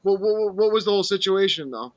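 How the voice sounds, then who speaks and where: A man's voice: high-pitched, animated, a little fast, no echo. A man co-hosting a casual talk show, asking questions in an informal, inquisitive way. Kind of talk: casual live-show chat.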